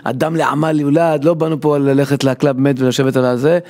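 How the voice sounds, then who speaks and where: A man's voice: medium pitch, level tone, a little mellow. A man hosting a TV talk show, asking the guest questions and agreeing with short interjections. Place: television studio.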